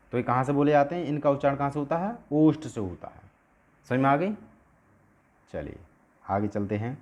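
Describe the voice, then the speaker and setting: A male teacher giving an explanatory lesson at a board. He asks questions and answers them himself, and sounds out each letter slowly to demonstrate. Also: medium pitch.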